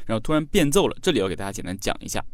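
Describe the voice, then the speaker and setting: A man's voice: lowish voice, very animated, very fast, no echo. A man teaching a singing lesson, explaining technique step by step with frequent filler sounds. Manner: talks learners through each line step by step, with frequent fillers. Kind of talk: vocal coaching lesson.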